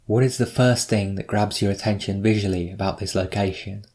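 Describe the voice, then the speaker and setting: A man narrating a scripted guided meditation, giving measured, instructive prompts with pauses between them. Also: lowish voice, fairly even intonation, a little mellow.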